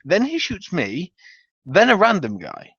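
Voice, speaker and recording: Animated man narrating a dramatic comic tale. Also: high voice, a little slow, creaky, slightly rough, no echo, dull audio. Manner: theatrical storytelling with wry emphasis. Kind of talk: dramatic reading of a comic tabletop-game story.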